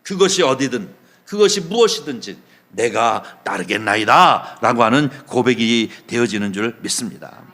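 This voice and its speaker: A man's voice: medium pitch, animated, moderate pace, a bit bright. A male pastor preaching a sermon, leading the congregation in reading and acting out quoted dialogue with feeling. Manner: leads the congregation in reading aloud.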